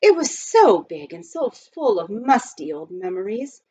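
A woman's voice: medium pitch, sing-song, unhurried, a little mellow, breathy edge. A woman voicing a genteel, joyful and teasing aunt with exclamatory manners in a storybook reading. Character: genteel adult aunt, joyful, teasing, firm-minded Boston lady.

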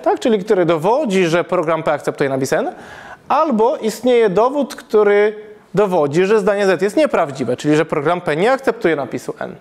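A man in his thirties giving a public math lecture in a classroom, thinking aloud and often checking the audience with a quick question. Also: high voice, darkish tone. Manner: thinking aloud, frequent self-corrections and "tak?" checks. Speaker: university lecturer. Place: classroom with chalkboard, indoors.

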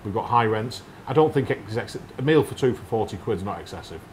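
Blunt man, lowish voice. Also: lively intonation, a little fast, slight background noise. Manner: blunt, firm, matter-of-fact. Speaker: restaurant owner. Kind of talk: casual interview. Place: restaurant dining room. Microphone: lapel mic.

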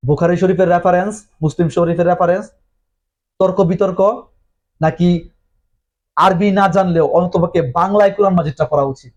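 A man's voice: high voice, a little mellow. A man giving a direct-to-camera talk on religion, earnest and persuasive, throwing rhetorical questions at the viewer and dropping in English words. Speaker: religious commentator.

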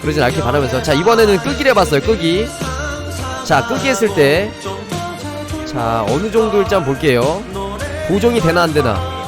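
A man's voice: fairly high pitch, sing-song, brisk, pauses often. A man doing live game commentary and tutorial as a streamer, talking to his viewers over music. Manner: talks to viewers, thanks donors. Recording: music behind the voice.

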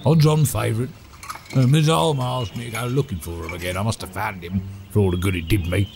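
An actor playing a chatty, cheerful manor servant in an audio drama, with a British accent and a rambling, stammering, chuckling delivery. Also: male voice, fairly low pitch, fairly even intonation, fairly quick, vocal fry, darkish tone, a little hiss or hum. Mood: rueful, amused. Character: chatty, cheerful, oft-killed manor servant named Todd.

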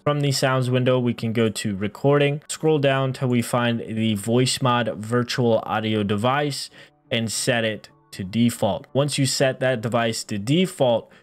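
A man in his thirties hosting a software tutorial, explaining things methodically step by step in an instructional style. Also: mid-range voice. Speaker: tutorial host. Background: background music.

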